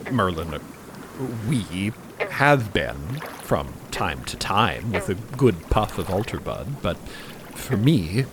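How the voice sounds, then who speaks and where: An actor playing an earnest, gentle man who was once a machine, speaking in halting, drawn-out phrases in an audio drama. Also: lowish voice, noisy background, heavily acted. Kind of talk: dramatised audio fiction dialogue.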